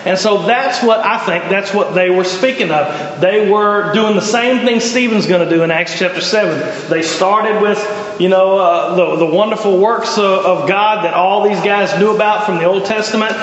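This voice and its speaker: A high-pitched man with a Southern US accent teaches an informal Bible class, talking in a conversational, folksy way and asking his class questions. He speaks at normal speed with few pauses, recorded in an echoey hall with dull lo-fi sound.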